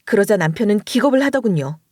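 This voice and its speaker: A woman narrating a dramatic first-person story in an expressive storytelling voice. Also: medium pitch, fast, no room sound, studio quality.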